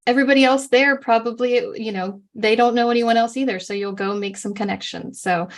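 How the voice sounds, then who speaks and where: A woman's voice: a little high, steady tone, fairly quick. A woman in her forties hosting a live online talk, chatty and full of agreement. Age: 40s. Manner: chatty, with many fillers and restarts, warmly agreeing. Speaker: host.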